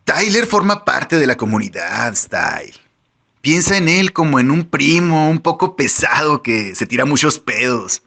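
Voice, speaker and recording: A man's voice: on the high side, big pitch swings, unhurried, gravelly, bright, forceful tone, exaggerated voice. A man voicing a weary, blunt friend who answers frankly and offhandedly.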